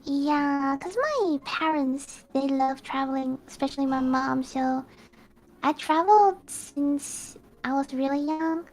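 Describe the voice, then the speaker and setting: A soft-spoken woman guest chatting casually, quiet and giggly. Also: high-pitched, slow pace. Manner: soft-spoken, giggly, does not shout. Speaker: guest streamer. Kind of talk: casual chat.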